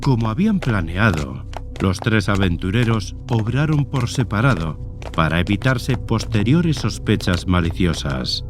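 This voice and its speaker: A man narrating a horror story as a scripted literary reading, in a measured storytelling manner. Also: lowish voice, big pitch swings, over music.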